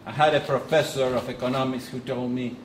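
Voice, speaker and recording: A middle-aged man from Argentina with an Argentine Spanish accent, giving a conference lecture in a measured way with pauses and restarts. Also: mid-range voice, level tone. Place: conference hall. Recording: echoey hall with faint noise.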